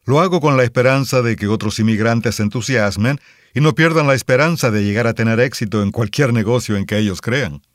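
A man from Cuba playing a toy company president answering interview questions in a sincere, measured way, in a scripted listening-exam dialogue. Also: medium pitch, dry recording, studio quality, lightly acted. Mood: earnest. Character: earnest male immigrant toy company boss.

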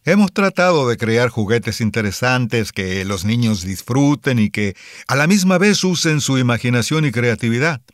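Guy acting as a humble toy company boss from cuba, sincere and measured, dry close sound. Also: medium pitch, expressive, no room sound, lightly acted. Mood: earnest. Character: earnest male immigrant toy company boss. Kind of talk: scripted listening-exam dialogue.

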